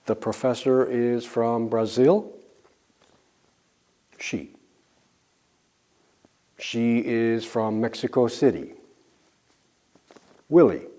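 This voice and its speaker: A man teaching an English lesson, drilling example sentences slowly and clearly with pauses for learners to answer. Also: medium pitch, mellow. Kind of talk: slow scripted language lesson.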